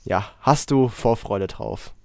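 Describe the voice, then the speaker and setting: A man hosting a casual podcast while he has a cold, talking in a rambling, relaxed way with lots of fillers. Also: fairly low pitch, slow, creaky, no room sound. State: has a cold, hoarse throat. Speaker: podcast host.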